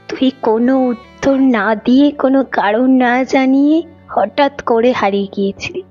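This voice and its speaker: A woman acting a wistful, high-voiced woman in love. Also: a little mellow, lightly acted. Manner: wistful, emotional. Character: lovelorn woman, tender, wistful, devoted. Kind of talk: audio romance drama acting. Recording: dull lo-fi audio with faint music. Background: faint music.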